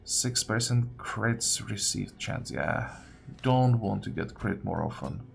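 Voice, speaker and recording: A man commentates on his own gameplay at an unhurried, slow pace. His mid-pitched voice has a lot of fry in it. He muses hesitantly to himself as he works through decisions, with faint music behind him. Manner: musing, hesitant, talking to himself. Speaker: gaming video host. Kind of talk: unscripted game commentary, thinking aloud.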